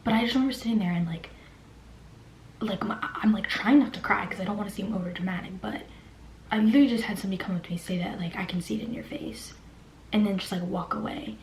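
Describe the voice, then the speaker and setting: A woman's voice: mid-range voice, fast talker, darkish tone. Whispering young woman telling a story. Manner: whispering, chatty, lots of "like" fillers. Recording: echoey room with faint hiss.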